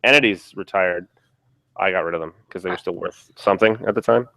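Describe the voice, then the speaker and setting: A man hosting a casual podcast chat about a tabletop game, relaxed and rambling, with many fillers and restarts. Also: low voice, fairly quick, gravelly, no echo. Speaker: podcast host.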